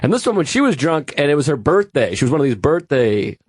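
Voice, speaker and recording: Wry male comedian, lively pitch. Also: quick pace, slightly rough, no room sound, studio quality. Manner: wry, deadpan asides, bursts into loud impressions. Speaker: podcast co-host. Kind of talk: casual comedic storytelling.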